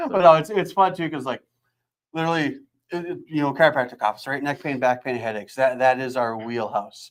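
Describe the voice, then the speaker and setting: A man speaks at a fairly quick pace, his fairly high voice carrying ordinary pitch variation. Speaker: chiropractor, clinic owner. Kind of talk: casual chat. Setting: live stream. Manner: fast; animated.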